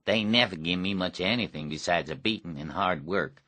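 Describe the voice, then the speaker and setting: A man's voice: sits low, fairly quick, sharp tone, dry recording. A man voicing a neglected, bitter rural teenage boy with a blunt, grim drawl.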